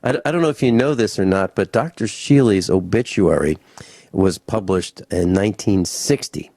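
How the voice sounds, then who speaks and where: A man's voice: deep voice, normal speed, vocal fry, darkish tone, no room sound. A man in his sixties hosting a radio talk show, chatting casually and rambling with restarts and fillers. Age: 60s. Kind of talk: casual radio interview chat.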